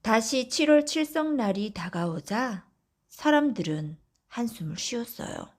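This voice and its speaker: A woman narrating folk tales for bedtime in a soft, often whispery, gentle voice. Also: a little high, big pitch swings, measured pace. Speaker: audiobook narrator.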